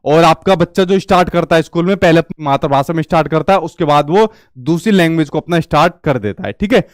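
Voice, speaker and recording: Young guy with a hindi accent teaching exam prep, high voice, keeps saying "theek hai" and going over points again. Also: fast talker, dry recording, clean studio sound. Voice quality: repeats "ठीक है" and restates points. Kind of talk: online exam-prep lecture.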